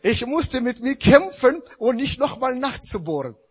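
A male preacher delivers a sermon with a husky, fairly high voice. His pitch swings widely as he addresses the congregation directly and stresses his points. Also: big pitch swings, unhurried.

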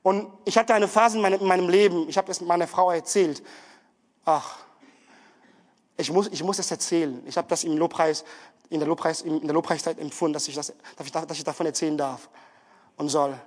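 A man's voice: on the high side, steady tone, a little fast. A man giving an earnest, pleading sermon testimony in a church hall, often restarting his words.

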